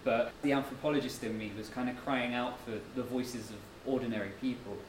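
A man's voice: mid-range voice, fairly even intonation, brisk. Male guest lecturer, conversational and modest, distant mic with room noise. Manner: modest, slightly self-deprecating, conversational. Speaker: guest speaker, author and anthropologist. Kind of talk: public lecture. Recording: echoey room from far off, noisy.

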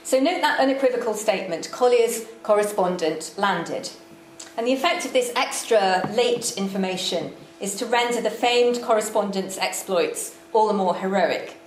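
Female lecturer, measured delivery with a dry wit and plenty of ums; roomy hall sound with a faint hiss under it. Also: mid-range voice. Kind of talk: academic lecture with slides. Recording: echoey room with faint background noise.

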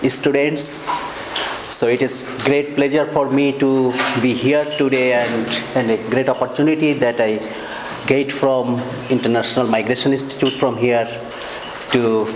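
A man from Bangladesh, a native Bangla speaker, gives an academic talk in English with a Bangladeshi accent, formal and halting with pauses and self-corrections. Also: mid-range voice, fairly even intonation, echoey room, noisy background. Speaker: visiting researcher giving a lecture. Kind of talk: academic presentation. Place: lecture hall.

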